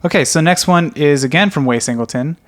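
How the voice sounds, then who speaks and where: A man's voice: on the high side, fairly quick. A man co-hosting a podcast, chatting casually and taking listener questions. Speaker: podcast co-host and animated series creator.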